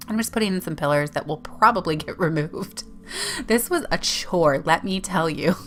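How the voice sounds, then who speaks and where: A woman's voice: on the low side, fairly bright tone. A woman giving a casual, rambling voiceover for a video game build, with many small self-corrections. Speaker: Sims YouTuber narrating a speed build.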